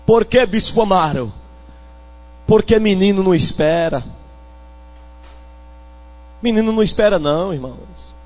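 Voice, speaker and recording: Preaching a fiery sermon, a male bishop with a Northeastern Brazilian accent swings between shouts and hushed tones and calls on the congregation. His voice is high and expressive, his delivery unhurried and full of pauses.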